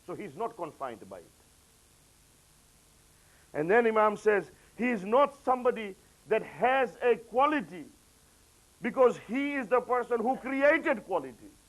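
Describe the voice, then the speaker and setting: High-voiced man preaching with rising emphasis. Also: animated, unhurried, pauses often, low-quality recording. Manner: rises in pitch and volume when quoting, drops low for asides. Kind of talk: religious lecture.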